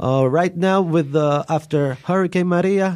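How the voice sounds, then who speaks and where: A man speaks with a Spanish accent at a fairly high pitch. His intonation is fairly even. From Puerto Rico. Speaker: filmmaker. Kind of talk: interview. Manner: halting.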